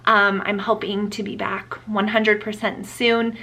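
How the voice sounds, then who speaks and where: Young woman, beauty vlogger with a head cold; nasal, bright tone, relaxed chatty delivery. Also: mid-range voice, unhurried, a little hiss or hum. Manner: chatty, explaining steps with fillers. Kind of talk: casual get-ready-with-me chat.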